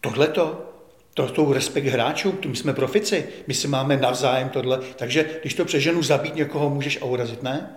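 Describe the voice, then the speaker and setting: A man's voice: mid-range voice, echoey room. An older man, a veteran football journalist, speaking as an interview guest in an indignant, emphatic way and often repeating himself. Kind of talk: studio interview.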